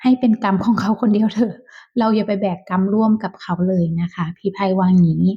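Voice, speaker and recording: A woman giving a casual tarot reading to viewers, talking softly and chattily with whispered asides. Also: medium pitch, steady tone, fast talker, breathy edge. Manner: soft, chatty, with whispered asides and light laughs. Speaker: tarot reader. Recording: dull lo-fi sound.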